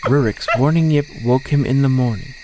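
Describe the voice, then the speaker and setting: A man's voice: medium pitch, normal speed, a little mellow, a little hiss or hum, low-quality recording. A man reading a scripted story as the narrator of an audio drama. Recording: faint outdoor nature ambience.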